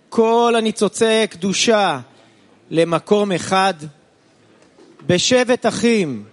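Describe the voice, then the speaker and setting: A man reading a text aloud in a solemn style. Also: high-pitched.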